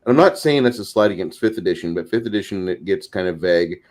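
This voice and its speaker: A man's voice: deep voice, animated, quick pace, a little mellow. A man casually explaining ideas as host of a tabletop gaming discussion, in a rambling, recommending way.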